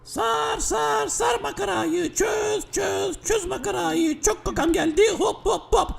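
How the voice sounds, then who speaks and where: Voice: very high-pitched, takes it slowly, creaky, raised voice, faint music behind, heavily acted. A performer voicing a cheeky young house cat who yelps and talks crude.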